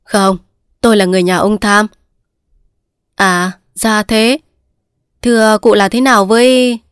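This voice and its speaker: An old village mother with a sharp tongue, scolding bluntly and holding her ground, read by a woman narrator. The voice is dry and close, with no room around it. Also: mid-range voice, fairly even intonation, unhurried, smooth, dry recording, lightly acted. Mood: stubborn.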